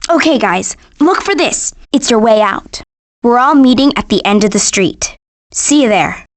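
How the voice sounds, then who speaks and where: A sassy American teenage girl, a cartoon animal in a video game. The voice is fairly high, with a casual know-it-all delivery. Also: expressive, moderate pace, no echo. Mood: explaining.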